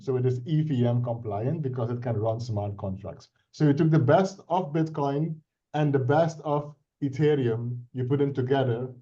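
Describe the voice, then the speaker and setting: Middle-aged Dutch-accented man, native Dutch speaker, earnest explainer on a video call; mellow tone, dull lo-fi audio. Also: mid-range voice. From Suriname. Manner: earnest, explanatory, with frequent restarts and "right?" checks. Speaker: IT consultant presenting a crypto project. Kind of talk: casual self-introduction and explanation on a video call.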